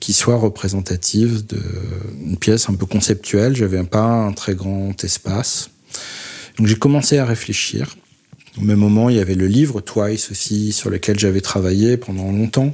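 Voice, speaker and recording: The man's voice sits fairly low in pitch and carries a dark, mellow tone. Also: fairly even intonation. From Paris. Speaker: photographer. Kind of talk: interview answer. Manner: slow, thoughtful.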